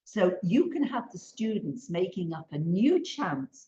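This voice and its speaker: Older lady running a teacher drama class on a call, slow and deliberate, echoey room, muffled sound. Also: on the low side, sing-song, dark tone. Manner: slow, emphatic, leads call-and-response chants. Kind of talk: interactive teaching demonstration. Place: home room on a video call.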